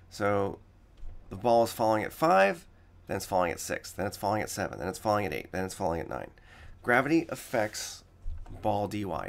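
A man with a slightly raspy, fairly low voice teaches coding in a screen-recorded tutorial, explaining each step and going back over the key points.

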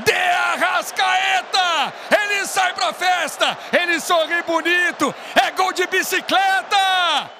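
Guy yelling explosive goal commentary, slow stretched calls, loud stadium noise behind. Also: very high voice, gravelly. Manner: drawn-out shouted goal calls, repeated phrases. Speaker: football play-by-play commentator. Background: roaring football stadium crowd.

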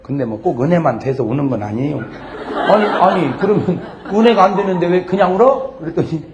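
A middle-aged man preaching a humorous revival sermon to a congregation, lively and joking, swinging from loud shouts to soft asides. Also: on the high side, brisk, muffled recording, background noise. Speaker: pastor. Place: church sanctuary before a congregation.

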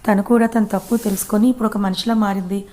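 A woman voicing an anxious young woman in love, in a soft, plain reading voice. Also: mid-range voice, steady tone, racing, natural voice. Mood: calm.

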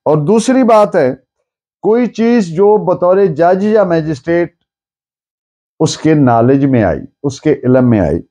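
An older man with a South Asian accent giving a formal, deliberate legal lecture, explaining points with frequent pauses. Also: a little high, mellow. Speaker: law lecturer. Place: book-lined office or study, indoors.

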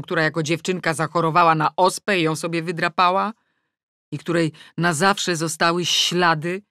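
A middle-aged woman reading a first-person novel aloud, wry and ironic, with sudden rises in pitch on the punchlines. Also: fairly bright tone, no room sound, studio quality. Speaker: audiobook narrator. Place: dry recording booth. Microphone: close studio mic.

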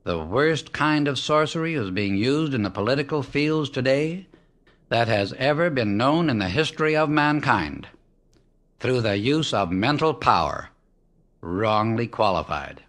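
A man reading a spiritual book aloud as an audiobook narrator, in a measured, emphatic way that slows down on key words. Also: medium pitch, animated, a bit bright. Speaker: audiobook reader. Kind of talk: solemn scripted reading of spiritual teachings.

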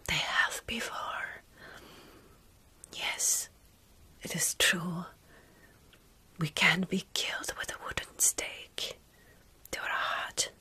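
A woman playing a gentle, centuries-old vampire caretaker in a soothing whispered ASMR roleplay. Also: on the low side, steady tone, breathy edge, exaggerated voice. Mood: solemn, confiding. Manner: slow, soothing, measured whispering. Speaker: ASMR performer.

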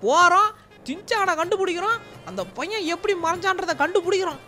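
Bright high-voiced woman narrating a game. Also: a little fast, soft background music. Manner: animated, exclaiming, calling out. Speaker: gaming channel narrator. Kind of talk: comic game role-play narration.

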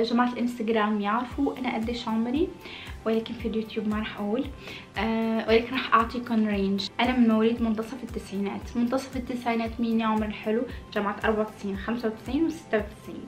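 A woman in her late twenties with a fairly high voice chats casually and expressively, answering viewer questions. She is in a small indoor room with red curtains, and the sound is roomy.

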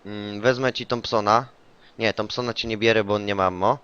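A man streaming a shooter game, chatting casually with a teammate, swearing and yelling taunts when he scores kills. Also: lowish voice, a little fast, smooth, dull audio. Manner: excitable, swears, yells taunts in English on kills. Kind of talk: casual gaming chat with a teammate.

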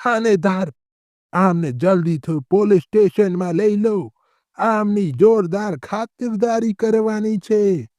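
A man voicing a stern, swaggering police officer in an animated moral story. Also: sits high, takes it slowly, no room sound. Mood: stern, commanding.

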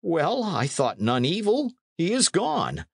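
A man's voice: high-pitched, wildly swooping pitch, takes it slowly, creaky, breathy edge, dry recording, clean studio sound, voice pushed up, exaggerated voice. A man reading a storybook as a flustered medieval innkeeper, protesting in archaic speech.

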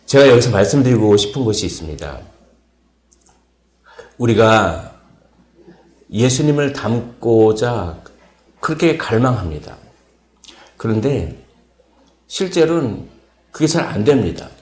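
Guy preaching at dawn service, mid pitch, lots of uh fillers, echoey church. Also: very animated, unhurried, long pauses, a little mellow. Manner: explanatory, repeats key words, many fillers. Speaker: pastor. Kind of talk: early morning sermon. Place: church sanctuary.

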